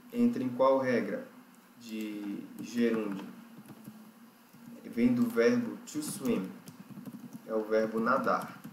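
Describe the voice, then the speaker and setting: A man teaching English grammar in a recorded lesson, patiently explaining exercises and often checking understanding. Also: mid-range voice. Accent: Brazilian Portuguese. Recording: echoey room, faint noise.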